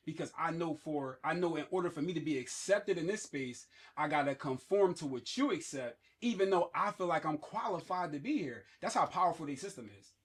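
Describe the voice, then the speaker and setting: A man speaking African American English in a casual podcast discussion, explaining emphatically and often checking that listeners follow. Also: fairly high pitch.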